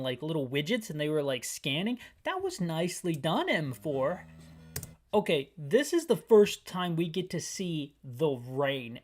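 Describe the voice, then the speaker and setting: A man hosting an audio-described video game playthrough, narrating the screen with rambling, wry, self-mocking asides. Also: a little high. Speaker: gaming channel host.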